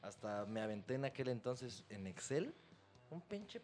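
A young man with a Mexican accent, at an ordinary mid pitch. He talks in a loose, profane, slang-heavy way, like a casual podcast chat. Music plays faintly under his voice. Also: sing-song, unhurried, darkish tone. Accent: Mexican Spanish.

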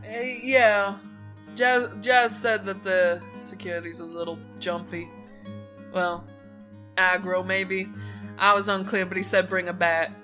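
Bright, playful woman at a game table. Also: mid-range voice, flat delivery, measured pace, faint music behind.

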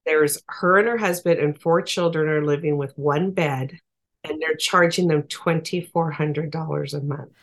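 Woman, advocate, interview guest, earnest, emphatic, low-pitched. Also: fairly even intonation, moderate pace. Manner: earnest, emphatic, plain-spoken. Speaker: farm worker advocate.

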